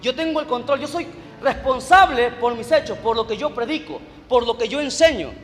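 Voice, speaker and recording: A male evangelist preaching a sermon, shouting Bible verses with emphasis and firing questions at his listeners. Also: very high-pitched, normal speed, in a large hall, faint music behind. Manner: emphatic, shouts scripture, asks the audience questions.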